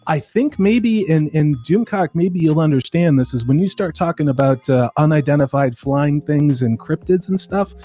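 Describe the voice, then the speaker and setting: A man's voice: on the high side, expressive, normal speed, hardly any pauses, mellow, no room sound. A man hosting a casual livestream chat, introducing and questioning his guests. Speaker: livestream host. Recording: music playing behind the voice. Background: music.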